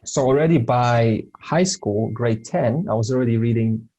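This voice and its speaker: A man's voice: mid-range voice, normal speed, warm tone, rough recording. A Serbian-born man whose first language is Serbo-Croatian, giving an informal lesson in a hesitant way, with many fillers and restarts. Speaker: spiritual teacher.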